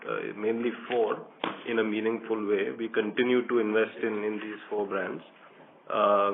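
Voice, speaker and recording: Man on a noisy, narrow phone line. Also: mid-range voice. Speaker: company executive. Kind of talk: answering analyst questions on an earnings conference call.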